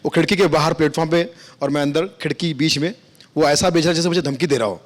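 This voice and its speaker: A man performing a stand-up comedy routine, animated and switching between mimicked voices. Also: fairly high pitch, fast. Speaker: comedian guest.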